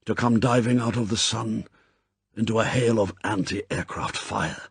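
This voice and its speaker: A man's voice: fairly low pitch, steady tone, unhurried, gravelly, slightly rough, no echo, exaggerated voice. A man voicing a proud Japanese spymaster in an audiobook, formal and courtly, zealous and sternly gracious. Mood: solemn, fervent. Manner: formal, stilted, courtly phrasing.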